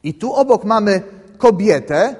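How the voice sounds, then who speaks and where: A man explaining scripture to a group in a conversational, halting way, often checking in with the listeners and repeating words while he thinks. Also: sits high, expressive, a little mellow, breathy edge. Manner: conversational, keeps asking "right?" to check understanding. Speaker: Bible teacher. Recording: long reverb in a hall.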